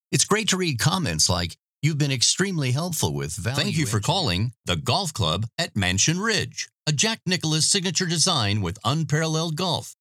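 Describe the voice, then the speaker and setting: A man's voice: medium pitch, pushed and bright, no room sound, clean studio sound. Polished male phone-menu announcer. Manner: polite, measured, evenly paced delivery. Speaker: phone system voice-over announcer. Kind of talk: scripted phone greetings and menu prompts.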